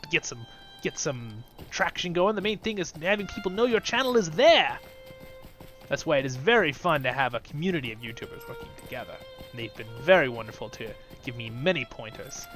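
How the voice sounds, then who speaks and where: A man hosting his channel, giving casual, chatty commentary while playing a fantasy game. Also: a little high. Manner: upbeat, chatty, drifts into softer asides. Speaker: YouTube channel host.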